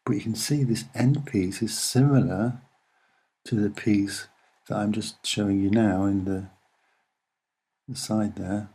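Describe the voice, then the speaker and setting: A soft-spoken man with a husky voice, giving a casual, musing and hesitant commentary as he explains what he sees. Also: lowish voice, fairly even intonation, a little slow, long pauses. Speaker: video narrator.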